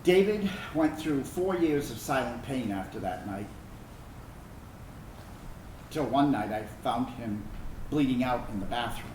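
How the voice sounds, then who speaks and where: A man acting in a staged reading as a reflective, wounded but tender gay son of a military family, telling a personal story earnestly and haltingly. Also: medium pitch, lively intonation, natural voice. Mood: somber. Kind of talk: dramatic monologue reading of a personal narrative. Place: indoor room, staged reading. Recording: echoey room, distant mic, background noise.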